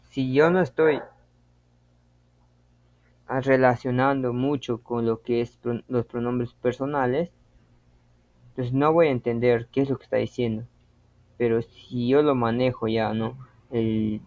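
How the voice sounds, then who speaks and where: A man gives a language lesson at an unhurried pace. He repeats example phrases slowly and deliberately. His voice comes through a narrow, tinny, phone-like channel with a dry, close sound. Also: mid-range voice, a little mellow, no room sound. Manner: slow, patient explaining with example phrases spoken deliberately. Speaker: language teacher.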